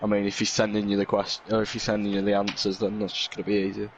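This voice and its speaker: A man's voice: lowish voice, monotone, fast talker, lo-fi sound, a little hiss or hum. A man doing co-commentary on a live race broadcast, joking and teasing the others. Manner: teasing, jokey banter.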